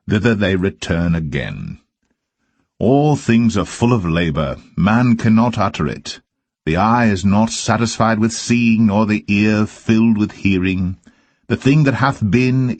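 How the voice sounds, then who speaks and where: A man with a lowish, husky voice narrates scripture in a formal, measured way. The delivery is solemn and scripted, like an audio Bible, and the recording is very dry and close. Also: dry recording.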